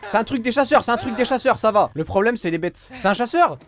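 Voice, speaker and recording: Fast, excitable young male gamer. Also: very high voice, soft background music. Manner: excitable, slangy, repeats phrases. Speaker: gamer streamer. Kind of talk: casual playthrough commentary.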